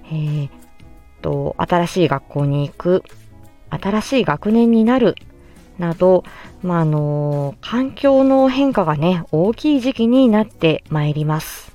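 Lowish woman explaining calmly over faint music. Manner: polite, measured, frequent filler pauses. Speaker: podcast host, speech-language-hearing therapist. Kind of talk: explanatory podcast monologue.

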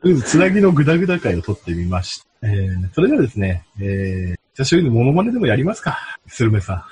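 A man's voice: medium pitch, very animated, fast talker, darkish tone, slight background noise. A man hosting a casual podcast chat, talking in a tired, self-deprecating, rambling way. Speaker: podcast host.

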